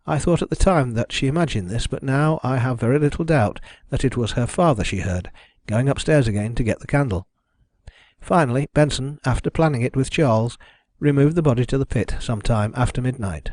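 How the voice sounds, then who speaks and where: A methodical detective read by a male narrator lays out deductions with calm assurance. The delivery is measured and precise, mid-pitched, in a dry audiobook recording. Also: no echo, natural voice. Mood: assured, reasoning.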